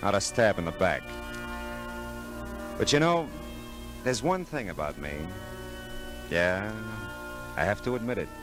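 Hard-boiled radio private eye, wry and clipped, swings around a lot, old broadcast w music behind. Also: male voice, lowish voice, sing-song, a little slow, pauses often. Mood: weary, tender. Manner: clipped, wry, tough-talking. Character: hard-boiled male private detective, wry, weary, protective. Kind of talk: 1950s radio drama acting and noir narration.

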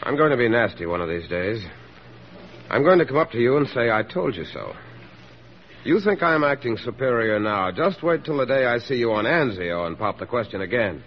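An actor playing a teasing, affectionate young army lieutenant in a 1940s radio drama, on a dull old radio recording with faint hiss. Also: male voice, medium pitch, very animated, normal speed. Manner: teasing, gentle.

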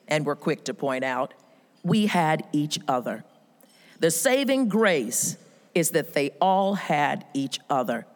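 A woman giving an emphatic motivational speech, telling stories with lively quoted voices. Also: deep voice. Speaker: speaker at a women's event. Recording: reverberant hall.

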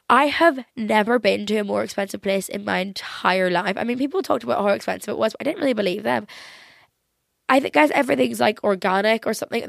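Young northern irish girl doing a chatty podcast monologue, slangy n rambly, croaky fry, dry room. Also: mid-range voice, dry recording. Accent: Northern Irish, softened. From Northern Ireland. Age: young adult. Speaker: podcast host.

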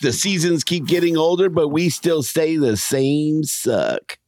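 A man's voice: fairly high pitch, a little slow, a little mellow, dry recording. A man co-hosting a sports podcast, moving between casual banter and informal ad reads.

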